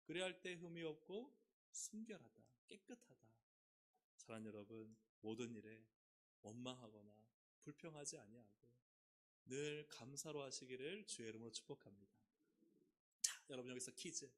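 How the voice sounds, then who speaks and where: Korean pastor preaching with sweeping emphasis. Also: male voice, animated, moderate pace, fairly bright tone. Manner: asks the congregation questions and leads responsive reading with sweeping pitch swings. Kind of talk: sermon. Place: church sanctuary.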